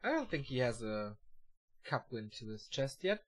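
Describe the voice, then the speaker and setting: A man casting a live esports match: fast, excitable play-by-play that climbs at big moments, and relaxed chat with viewers between games. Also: medium pitch. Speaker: esports caster. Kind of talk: live video game match commentary.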